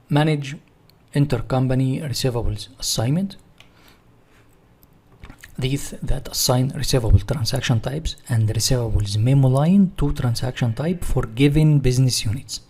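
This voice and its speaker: Husky man teaching software, non-native English. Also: medium pitch. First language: not English. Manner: didactic, asks and answers own questions. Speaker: software tutorial instructor. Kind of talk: screen-share software walkthrough, part read from notes.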